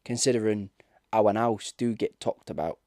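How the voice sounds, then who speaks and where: A man's voice: fairly low pitch, normal speed, mellow, dry recording, studio quality, close to an everyday voice. A man voicing a superstitious, deferential country innkeeper in a ghost story, speaking in folksy dialect. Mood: anxious pleading. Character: rustic English innkeeper, superstitious, deferential and reproachful. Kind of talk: ghost story audiobook character.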